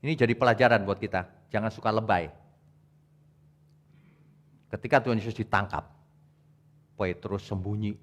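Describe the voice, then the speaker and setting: A male pastor preaching a sermon, emphatic, jumping between loud rebukes and quiet asides as he speaks straight to his congregation. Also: on the low side, steady tone, normal speed, pauses often. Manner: colloquial, addresses congregation directly.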